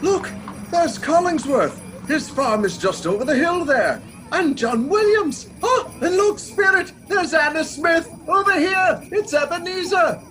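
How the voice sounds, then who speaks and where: An actor in a radio play voicing a miserly old man softened by memories, hesitant and full of feeling. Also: extremely high pitch, animated, measured pace, faint music behind, exaggerated voice, rough recording. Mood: astonished, excited. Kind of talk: dramatic radio play acting.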